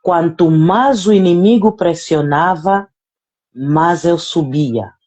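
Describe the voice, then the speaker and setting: A woman's voice: on the low side, slow, mellow. A woman sharing a personal faith testimony in an earnest, emotional way, speaking directly to the apostle and repeating phrases for emphasis. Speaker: guest giving a testimony.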